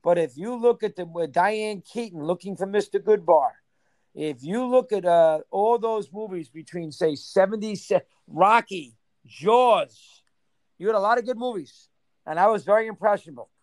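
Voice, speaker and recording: A man in his sixties, reminiscing in a casual interview, rambling and rattling off names in quick bursts. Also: sits high, no room sound. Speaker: interview guest.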